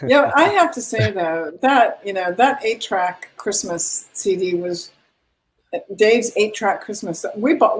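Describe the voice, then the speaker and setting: A woman's voice: mid-range voice, low-quality recording. A woman hosting a live online event, chatting casually and greeting viewers.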